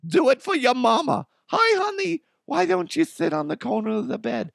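A man voicing a doting, nagging mother in a strained falsetto, with a fussy, whiny manner, comedy-album style. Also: huge pitch swings, normal speed, vocal fry, dry recording, studio quality, exaggerated voice.

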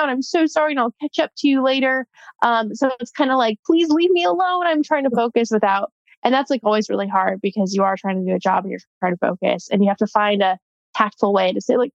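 A woman sports reporter chats through an interview, easygoing and quick to laugh. Her voice comes through a slightly dull, lo-fi line. The sound is close and dry. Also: on the high side, no room sound. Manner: chatty, many "like" fillers, laughs easily. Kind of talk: casual interview chat.

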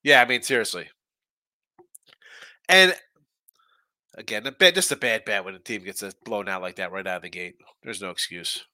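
A man's voice: lowish voice, normal speed, long pauses, sharp tone, no echo, clean studio sound. A man hosting a live sports betting show, chatting loosely and reading viewer comments, with a congested, stuffy nose. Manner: chatty and loose, with frequent restarts and asides.

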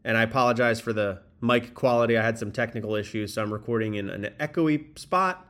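A man's voice: mid-range voice, a little fast, a bit bright. Man hosting a podcast in an echoey room. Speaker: sports podcast host. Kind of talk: solo baseball commentary, casual. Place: echoey indoor spot. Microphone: makeshift mic, not the proper one. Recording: echoey room, improper microphone.

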